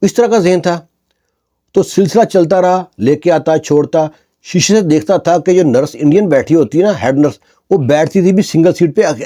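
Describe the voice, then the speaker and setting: A man narrating a story casually, with loose colloquial phrasing and frequent fillers. His voice is fairly high for a man, but dark and mellow in tone.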